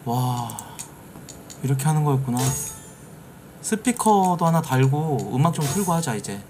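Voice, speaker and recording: A middle-aged man streaming a game live, reacting loudly and swearing at it. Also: medium pitch, a little slow, a little hiss or hum. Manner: excitable, bursts into shouts and swears at the game. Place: streaming room indoors.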